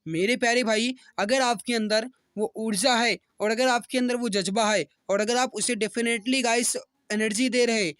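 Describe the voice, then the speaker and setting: This man's voice is extremely high-pitched with a fairly bright tone, fairly even intonation, and normal speed. Teaching an online exam-prep class, he addresses students as dear brothers and sisters, repeats answers again and again, and rouses them with motivational appeals. The recording is dry and studio quality.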